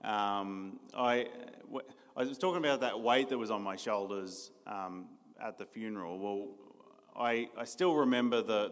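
A young Australian man giving his personal testimony in a church interview, earnest, with many ums and restarts. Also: lowish voice. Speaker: new church staff member being interviewed. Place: church hall. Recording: reverberant church hall.

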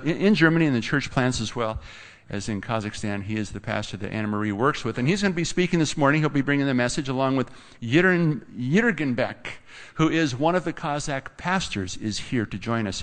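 A man, a pastor, making casual announcements from the pulpit with teasing asides to a guest. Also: medium pitch. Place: church sanctuary. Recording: long church hall reverb.

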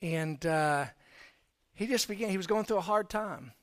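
A middle-aged man preaching a sermon, telling personal stories in a conversational way that swings from quiet to loud emphasis. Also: sits high, moderate pace. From Texas, raised in Florida.

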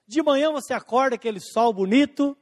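A man preaching a sermon as pastor, slowing down and stretching out scripture quotes, swinging between emphatic and hushed lines. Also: very high-pitched. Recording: long hall reverb.

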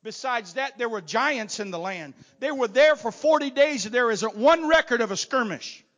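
A man preaching with a very high, bright, forceful voice. He moves from hushed, murmured asides to loud, shouted calls. He keeps a preacher's rising, rhythmic delivery. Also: animated, normal speed. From not from Texas. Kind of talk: sermon.

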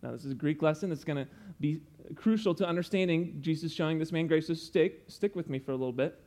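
A man's voice: fairly high pitch, fast talker, dark tone. Earnest young man preaching a sermon. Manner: earnest, explanatory, teacherly asides.

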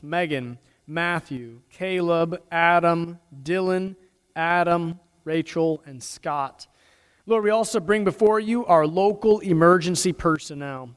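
A male pastor leading prayers and the communion liturgy in a measured, solemn cadence, his voice ringing with a cathedral-like echo in a church sanctuary. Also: fairly high pitch, clean tone. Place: church sanctuary during a service. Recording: long church reverb.

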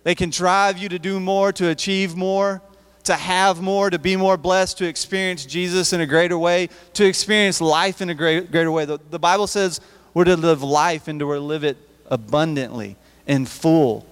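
A man's voice: sits high, fairly even intonation, moderate pace, clean tone. A man preaching at a youth service in a church hall, talking conversationally and often repeating and restarting his words. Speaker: youth speaker. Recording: reverberant hall.

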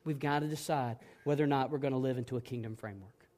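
A middle-aged male pastor delivers a sermon earnestly, moving between hushed, gentle passages and emphatic ones. His voice is medium-pitched and fast.

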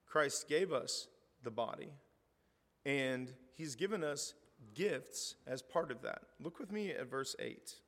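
Hoarse middle-aged preacher in a hall. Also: male voice, mid-range voice. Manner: conversational, reads scripture aloud with rising emphasis. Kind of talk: sermon. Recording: reverberant hall.

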